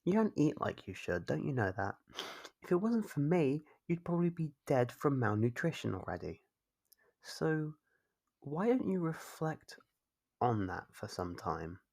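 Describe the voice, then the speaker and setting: A performer voicing a possessive, obsessive captor in an ASMR roleplay, mockingly doting and scolding, with coaxing questions and a husky, creaky voice. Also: medium pitch, very animated, darkish tone, heavily acted. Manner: coaxing, chiding, drawn-out teasing questions. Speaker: voice actor.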